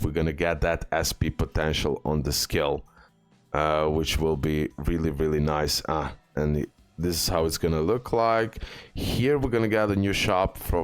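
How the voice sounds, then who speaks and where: Low-voiced man giving casual gaming commentary. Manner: informal, halting delivery with repeated filler words and check-in tags. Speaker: gaming content creator and host. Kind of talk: casual gaming news commentary over on-screen images.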